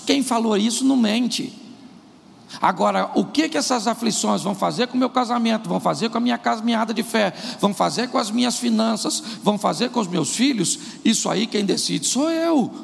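A man preaching a sermon as pastor, animated, acting out scenes between couples. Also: extremely high pitch, creaky. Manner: animated preaching, acts out quarrels in put-on voices. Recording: echoey hall with faint noise.

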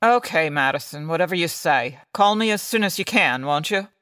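A woman's voice: deep voice, animated, normal speed, fairly bright tone, no room sound, studio quality. An actress playing a brash, haughty 1950s woman in a comic radio noir, full of old-fashioned slang. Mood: worried. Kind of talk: old-time radio acting, comedic.

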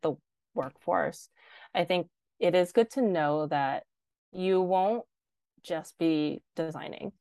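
A woman's voice: lowish voice, a little mellow, no echo. A young woman, a designer and podcast guest, chatting casually and filling her talk with "like". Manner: chatty, heavy use of "like". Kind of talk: casual interview chat.

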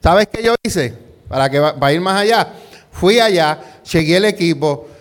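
Male pastor, middle-aged, slightly high voice; conversational sermon full of rhetorical questions and Spanglish asides. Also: expressive, moderate pace. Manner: peppers talk with rhetorical questions and "¿verdad?"; drops English words into Spanish. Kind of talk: conversational sermon with personal story.

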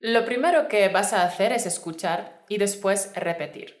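Clear woman teaching, echoey. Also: mid-range voice, moderate pace. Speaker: Spanish teacher. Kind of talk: scripted podcast lesson. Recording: roomy echo.

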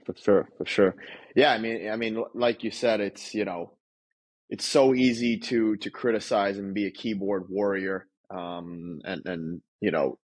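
A man hosts a casual interview in a somewhat low, husky voice. He is agreeable and affirming, and he leans on filler phrases as he builds his questions. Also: unhurried, darkish tone. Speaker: podcast host.

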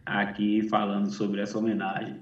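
A middle-aged man from Salvador, Brazil, a missionary pastor speaking in a chatty, warm way with self-deprecating humor. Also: lowish voice, monotone, normal speed, recorded from a distance. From Salvador, Bahia, Brazil. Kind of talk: sermon over video call. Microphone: video call. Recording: dull, echoey video call from afar.

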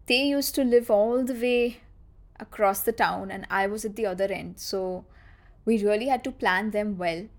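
A woman's voice: mid-range voice, moderate pace. A woman in her thirties with a South Asian accent, reminiscing in a casual solo podcast with conversational, emphatic repetition. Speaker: podcast host.

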